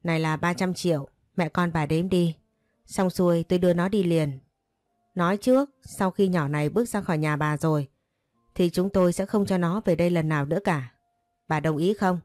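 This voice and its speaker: A woman's voice: lowish voice, moderate pace, a little mellow, no echo, lightly acted. A woman narrator voicing a haughty, scornful rich older woman who talks down to a poor girl, with faint music behind. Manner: scornful and impatient.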